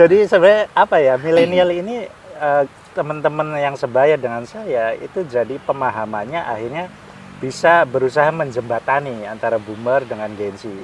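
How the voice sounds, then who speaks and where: A man with a fairly high voice speaks at a moderate pace. His intonation is lively, and there is noticeable background noise. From Cirebon, West Java, Indonesia. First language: Cirebon Javanese (speaking Indonesian). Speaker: cultural scholar. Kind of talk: radio podcast interview.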